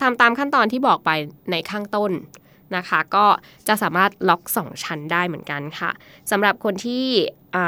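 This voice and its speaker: Bright-voiced woman co-hosting tech talk. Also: medium pitch, dry recording. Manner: chatty, frequent soft agreeing murmurs. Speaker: tech show co-host. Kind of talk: casual tech news chat.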